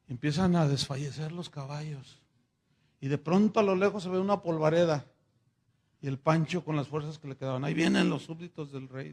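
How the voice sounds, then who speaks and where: Brief: pastor, lively sermon storyteller, high husky voice. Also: male voice. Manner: animated, chatty storyteller with fillers.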